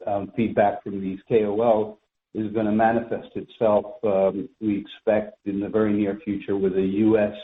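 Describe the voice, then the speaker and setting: Low-voiced man on an echoey phone line. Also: little pitch movement. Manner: measured, formal, careful word choice. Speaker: company executive answering analysts. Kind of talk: spontaneous business Q&A on a conference call. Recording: echoey, thin telephone conference line.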